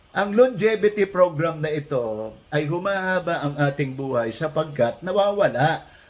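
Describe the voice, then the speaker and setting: Lively in intonation, a man speaks fairly slowly at a fairly high pitch. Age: 60s. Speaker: wellness movement founder. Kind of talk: video conference meeting. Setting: video call. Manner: halting, frequent filler sounds.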